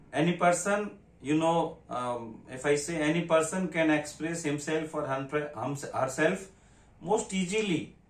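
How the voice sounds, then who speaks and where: A man talks at a fairly slow pace with ordinary pitch variation. There is audible room echo. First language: Hindi or an Adivasi language. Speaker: professor. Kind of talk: lecture. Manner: halting.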